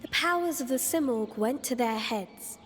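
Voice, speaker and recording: A woman voicing an ageless, solemn mystical being in a video game, speaking in a measured, cryptic way. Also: on the high side, expressive, lightly acted. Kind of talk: video game character acting. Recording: long reverb, faint music.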